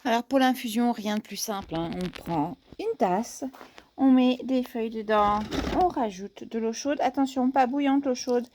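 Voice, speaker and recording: A woman's voice: on the high side, moderate pace, a little mellow, a little hiss or hum. Chatty woman gardener. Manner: chatty, playful, with many fillers and asides. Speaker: gardener and landscaper presenting plants. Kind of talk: casual garden vlog.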